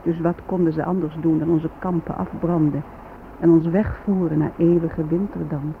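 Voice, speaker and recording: A performer in a radio drama voicing a grieving, bitter Native American in solemn, measured, poetic recitation. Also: mid-range voice, steady tone, creaky, natural voice. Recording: muffled narrowband old radio recording, faint noise.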